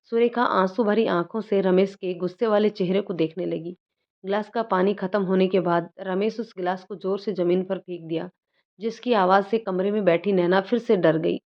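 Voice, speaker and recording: A woman's voice: medium pitch, moderate pace. Woman narrating a storybook, lo-fi. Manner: steady storybook reading. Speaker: storyteller, channel host. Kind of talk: scripted narration. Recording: dull lo-fi recording.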